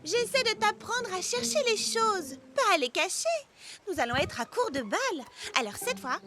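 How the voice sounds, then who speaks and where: A woman's voice: very high voice, lively intonation, normal speed, heavy background noise. A woman voicing a cheerful young cartoon girl who patiently coaxes and scolds her dog, in a French cartoon dub. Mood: coaxing. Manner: patient, coaxing, exclaims often. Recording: cartoon soundtrack with loud music.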